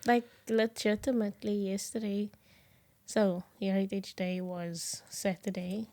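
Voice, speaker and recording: A young South African woman co-hosting a podcast in casual chat, animated, laughing often and sometimes dropping to a whisper. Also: medium pitch, measured pace. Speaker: podcast co-host.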